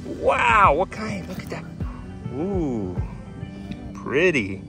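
A man's voice: a little high, wildly swooping pitch, very slow. A middle-aged man talking casually on camera while riding and fishing outdoors, enthusiastic and encouraging. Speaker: e-bike reviewer, father. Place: outdoors, suburban streets and lakeside. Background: music.

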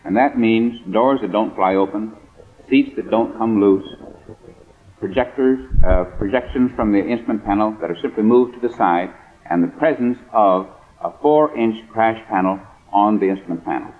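An American man speaking formally and deliberately as an expert guest in a 1950s radio interview. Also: lowish voice. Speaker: guest surgeon. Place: convention hall radio interview. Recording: muffled phone-like 1950s radio recording.

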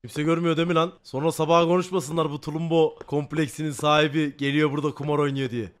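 A man streaming a game, chatting casually with his viewers, excitable and swearing, breaking into loud shouts. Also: on the high side, fast talker. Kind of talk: casual gameplay commentary with chat.

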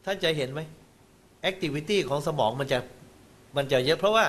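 A man's voice: on the high side, animated, a little fast. Man giving an explanatory dharma talk. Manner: explanatory, mixes English terms and exclamations. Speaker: Buddhist dharma lecturer.

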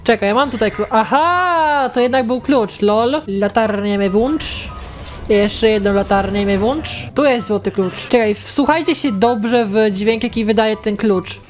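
A young woman hosting a gaming channel, giving excitable casual commentary as she plays, swearing at the game and talking to her viewers. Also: medium pitch, unhurried, faint music behind.

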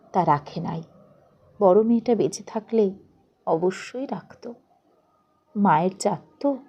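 A woman reads a literary story aloud in an expressive, deliberate storytelling manner. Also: mid-range voice. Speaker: audiobook narrator. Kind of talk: scripted literary story narration.

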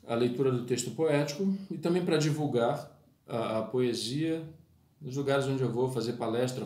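A man's voice: mid-range voice, a little mellow, echoey room. A man teaching a poetry lesson, explaining verse meter in a didactic way and speaking formally to his listeners. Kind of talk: spoken lesson with sung verses.

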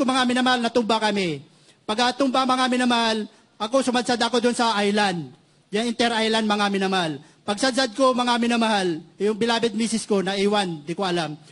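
A man with a strikingly high voice gives a church testimony in a halting way, restarting words and pausing to address his listeners fondly. He is middle-aged and from the Philippines. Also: fairly bright tone. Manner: halting, repeats "mga minamahal" constantly, many restarts. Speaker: church member giving testimony.

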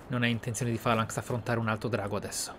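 A man's voice: mid-range voice, level tone, fast talker, fairly bright tone. A man giving roleplay game commentary in a theatrical, pensive manner with murmured asides. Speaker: video game player and narrator. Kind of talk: roleplay let's play commentary, in-character musing and reading aloud. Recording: clear background noise, game ambience. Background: video game ambience.

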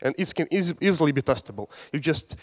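Speaking fast in a fairly high, expressive voice, a young Latvian conference speaker jokes his way through a casual technical talk. Fillers and restarts crop up often, and reverb from the large hall colors the sound.

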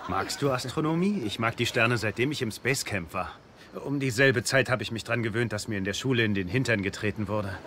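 A man's voice: on the low side, fairly quick, natural voice. An actor in a dubbed sitcom playing a naive, good-natured, geeky man. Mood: earnest. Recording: noisy TV audio with studio laughter.

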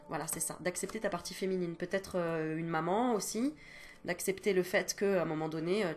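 A French-speaking card reader and medium offers a casual, reassuring reading to camera. She chats with many fillers and sighs, coughs now and then, and has a fairly low pitch.

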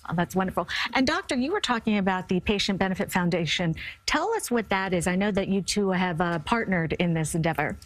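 A woman anchors a studio morning show, prompting her guests with short questions. Her pitch sits in the middle. She is on a lapel mic. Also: expressive, a little fast, hardly any pauses. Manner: friendly prompting, frequent mm-hmm. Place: TV studio set.

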